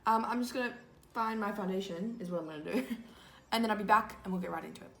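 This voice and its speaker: A young woman in her twenties giving a casual makeup tutorial, chatty and full of "like" fillers, her voice a little hoarse. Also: mid-range voice, fast, reverberant, soft background music. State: slightly hoarse, losing her voice. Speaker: makeup vlogger. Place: small indoor room before a grey backdrop.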